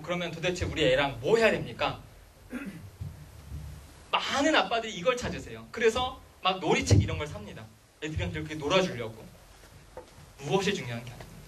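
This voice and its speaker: A man's voice: sits high, a bit bright. A man giving a public lecture on parenting to a room of parents, firing rhetorical questions at the audience. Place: school lecture hall. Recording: voice picked up from a distance.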